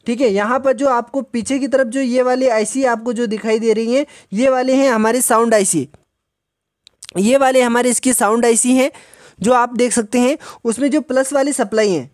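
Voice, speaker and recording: A man patiently explaining a phone repair step by step in a tutorial voice-over, often pausing to check in with the viewer. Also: extremely high pitch, steady tone, dry recording, clean studio sound. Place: voice-over over a drawn circuit diagram.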